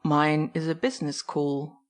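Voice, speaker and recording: Woman reading a smug urbane old gentleman. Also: low-pitched, flat delivery, a little slow. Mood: condescending. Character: stately older German gentleman, urbane and smug.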